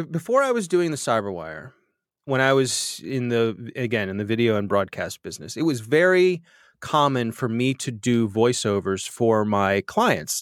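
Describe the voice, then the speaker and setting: A man hosting a podcast, chatting with self-deprecating humor and getting animated when he tells stories, with a slightly nasal voice. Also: mid-range voice, no room sound, clean studio sound. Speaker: podcast host. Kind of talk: conversational interview answers.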